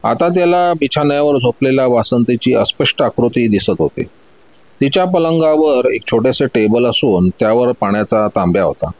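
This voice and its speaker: A man narrating a story in a steady, measured scripted delivery. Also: mid-range voice, lo-fi sound.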